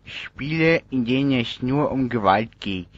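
A man's voice: mid-range voice, lively intonation, unhurried, no room sound. A man playing a grave, indignant crusader against violence, presenting a mock TV report in a cartoon satire. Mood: grave, alarmist. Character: alarmist male anti-video-game TV crusader, grave and indignant. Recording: dull recording over loud music.

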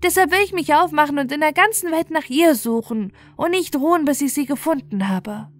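A woman voicing a proud young boy in a fairy tale, with sharp, emphatic delivery. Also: sits high, brisk, pitched above the performer's own voice, close to an everyday voice. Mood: troubled, remorseful. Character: proud, cruel, scornful young boy, later remorseful.

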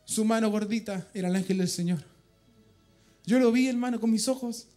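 A man's voice: sits high, normal speed, warm tone, soft background music. Fervent Chilean man giving a testimony. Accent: Chilean Spanish. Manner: fervent, repeats "brother" to the congregation. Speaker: church member giving testimony. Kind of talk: emotional spoken testimony in church. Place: church meeting room.

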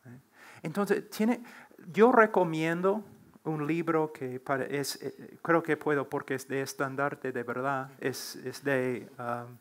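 A middle-aged man answering questions on a church panel in a slow, earnest, preacherly way that builds to emphatic exhortation. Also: medium pitch. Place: church platform, seated before a large wooden cross.

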